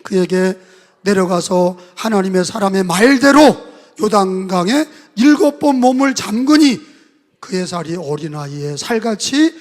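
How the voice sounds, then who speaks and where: Older male pastor, animated sermon storytelling, high voice, long church reverb. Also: measured pace. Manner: dramatic storytelling, acts out voices, swings loud and soft. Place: church sanctuary.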